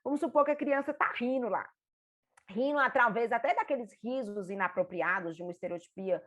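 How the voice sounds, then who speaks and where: A woman with a Brazilian Portuguese accent, a therapist and mother, giving an informal, animated teaching talk. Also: on the high side, a little fast, muffled recording. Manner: animated, acts out examples in a lively voice. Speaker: therapist and mother of an autistic child.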